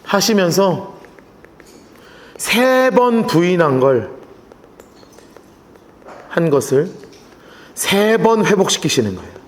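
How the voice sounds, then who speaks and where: A man's voice: sits high, big pitch swings, slow pace, pauses often. A man preaching a sermon as pastor, asking the congregation questions and acting out the voices he quotes. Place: church sanctuary. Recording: echoey church hall with long reverb.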